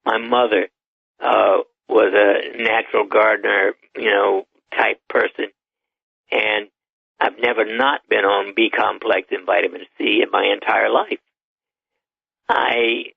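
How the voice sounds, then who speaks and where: An elderly man in his eighties speaks as a doctor giving advice, matter-of-fact and sure of himself. His voice is gravelly and husky. It comes through a tinny, dry phone line. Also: on the low side, dry recording. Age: 80s. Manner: matter-of-fact, advisory, with chuckles. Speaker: doctor guest. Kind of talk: radio call-in interview.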